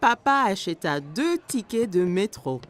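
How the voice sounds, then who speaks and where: A woman playing the warm narrator of a children's cartoon, telling the story in an expressive storybook style. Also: medium pitch, unhurried. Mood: storytelling. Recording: music behind.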